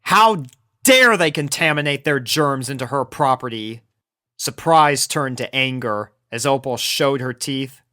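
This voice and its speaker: A storyteller reads scripted fiction aloud with expressive delivery. The voice sits at a medium pitch and follows the drama of the prose. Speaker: fan fiction narrator.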